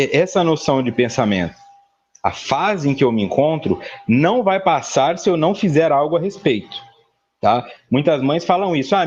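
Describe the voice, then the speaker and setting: A man's voice: mid-range voice, a little mellow, husky, highs cut off. Man teaching a conversational study class. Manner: conversational, frequent "tá?" tag questions; explains a read text with everyday examples. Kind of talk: spiritist study lecture.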